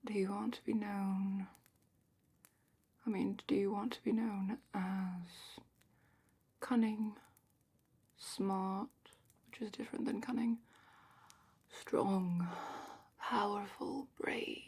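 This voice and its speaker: A woman playing a calm, attentive dragon matchmaker in a slow, whispered ASMR roleplay with thoughtful pauses. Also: medium pitch. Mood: calm, curious. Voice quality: breathy, whispery. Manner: slow, gentle, thoughtful questioning with murmured pauses. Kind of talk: soft-spoken ASMR roleplay, largely whispered.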